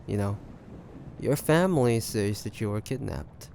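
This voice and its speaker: A man playing an ambitious, shrewd pirate captain in an audio roleplay, taunting the listener in a deliberate, conspiratorial way. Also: lowish voice, lively intonation, vocal fry, a little mellow, slight background noise. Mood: smug probing. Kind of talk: roleplay audio drama monologue addressed to listener.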